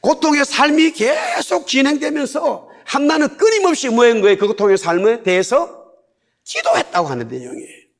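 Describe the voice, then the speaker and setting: With an extremely high, very animated voice at a moderate pace, a pastor delivers a sermon in a church sanctuary. He drives home important words by repeating them, and the congregation repeats phrases aloud at his lead.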